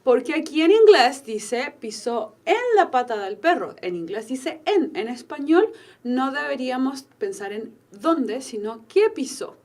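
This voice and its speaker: A woman with a Chilean Spanish accent giving a recorded online English grammar lesson, explaining patiently and slowing down on example sentences. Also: high-pitched, big pitch swings, darkish tone. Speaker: English teacher.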